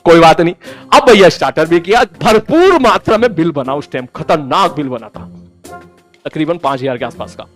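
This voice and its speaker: High-voiced man telling a lively story. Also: normal speed, faint music behind. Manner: animated, acts out quoted dialogue; frequent 'bhai sahab' asides. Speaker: teacher. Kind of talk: storytelling anecdote.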